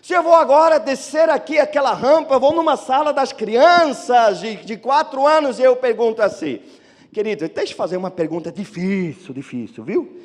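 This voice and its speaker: Animated pastor preaching in a big hall. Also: male voice, extremely high pitch, moderate pace. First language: not Portuguese. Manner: animated, acts out excuses of churchgoers. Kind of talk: sermon.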